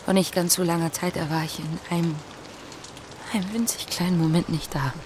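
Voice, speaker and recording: A woman playing a distressed but defiant and compassionate thirties character in a naturalistic radio drama, speaking haltingly. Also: lowish voice, steady tone, noisy background, lightly acted. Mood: tender, soothing. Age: 30s.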